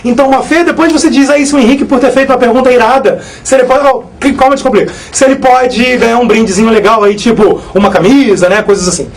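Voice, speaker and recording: A man teaching a live exam-prep physics lesson, energetic, joking and repeating himself. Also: very high voice, fast, hardly any pauses, poor audio.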